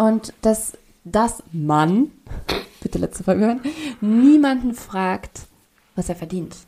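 A woman's voice: mid-range voice, expressive, slow, dark tone, a little hiss or hum. A woman co-hosting a podcast, talking casually and explaining emphatically with rhetorical questions. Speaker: podcast co-host. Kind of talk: casual conversational podcast talk.

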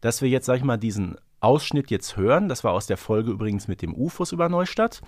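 A man's voice: mid-range voice, lively intonation, brisk, darkish tone, no room sound, studio quality. A man speaking conversationally as a podcast host in a fan discussion.

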